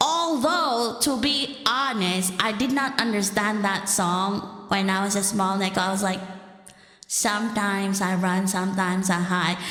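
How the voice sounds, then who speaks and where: Medium-pitched speech from a woman with a Filipino accent, fairly slow and very even in loudness, with ordinary pitch variation, noticeable background noise and audible room echo. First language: Tagalog. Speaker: streamer. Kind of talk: casual livestream chat. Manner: animated; halting.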